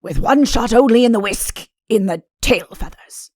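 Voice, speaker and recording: A woman voicing a pompous, fussy fairy-tale king and doting father in a comic audiobook, with mock-innocent, deliberate phrasing. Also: fairly high pitch, lively intonation, a little mellow, dry recording, studio quality. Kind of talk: audiobook comic character acting.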